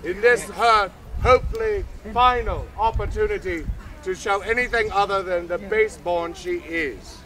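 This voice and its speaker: A man's voice: sits high, moderate pace, lightly acted. A man playing a pompous joust herald, declaiming grandly and formally in olde renaissance fair speech. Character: pompous male herald announcing a knights' joust. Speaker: joust announcer. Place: outdoor fair arena. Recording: outdoor crowd noise.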